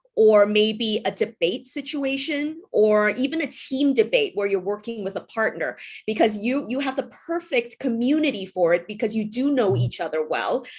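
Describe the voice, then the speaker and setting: A woman at a fairly high pitch, somewhat breathy, with lively intonation, a moderate pace, hardly any pauses and a quiet background. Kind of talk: Q&A question.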